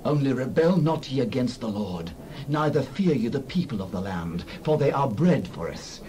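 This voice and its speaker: A man's voice: mid-range voice, very animated, moderate pace, dark tone, a little hiss or hum, natural voice. A man playing a steadfast, reassuring ancient scout, exhorting his people in a dramatized scripture reading. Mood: firm reassurance.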